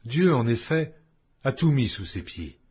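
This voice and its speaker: A man reading scripture aloud in a slow, measured, expressive way, with a husky voice. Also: medium pitch. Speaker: Bible reader. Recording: dull lo-fi audio.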